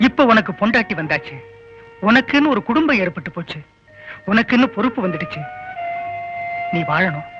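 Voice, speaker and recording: A weary pleading older uncle. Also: male voice, high voice, sing-song, a little fast, pauses often. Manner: coaxing, earnest. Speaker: film character. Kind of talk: film dialogue. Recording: dull film audio with music.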